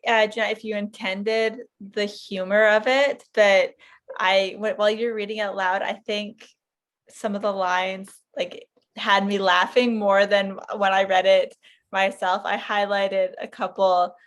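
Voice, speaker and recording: A woman podcast panelist chatting casually and informally, feeling her way through her thoughts. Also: mid-range voice. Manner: informal, hesitant, frequent "like". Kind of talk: casual chat.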